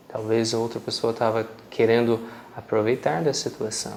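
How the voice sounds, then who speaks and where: This is a man with an American accent and a medium pitch. He keeps a moderate pace. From United States. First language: English (speaking Portuguese). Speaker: children's shelter director. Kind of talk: interview.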